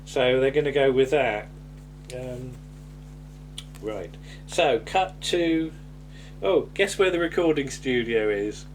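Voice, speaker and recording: A man's voice: medium pitch, takes it slowly, long pauses, a little hiss or hum. A man chatting casually as a co-host recapping a comedy, hesitant and meandering, often repeating words and tailing off. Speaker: podcast co-host.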